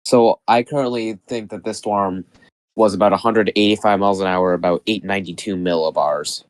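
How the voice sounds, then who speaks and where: A man guest on a live weather stream, a little raspy from being sick, explaining storm data steadily. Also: fairly low pitch, fairly even intonation, a little fast.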